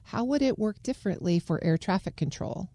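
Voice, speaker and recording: A woman's voice: medium pitch, expressive, brisk, warm tone, no room sound. An American woman hosting a news interview. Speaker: radio interviewer and host.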